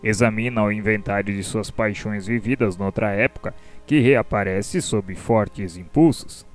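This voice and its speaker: An actor playing a wise, generous spiritual mentor in a radio drama, lecturing formally and didactically with a Brazilian accent. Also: male voice, on the low side, measured pace, faint music behind, lightly acted. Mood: calm, instructive.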